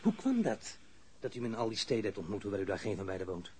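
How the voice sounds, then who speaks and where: An actor playing a stern, sarcastic police interrogator in an audio crime drama, probing formally and relentlessly. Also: male voice, fairly low pitch, big pitch swings, quick pace, a little mellow, a little hiss or hum. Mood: cool, probing.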